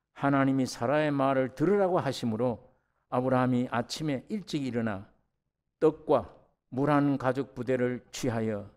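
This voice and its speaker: A pastor preaches animatedly in a church sanctuary, acting out biblical characters in dialogue. When he gets stirred, his pitch and volume rise sharply.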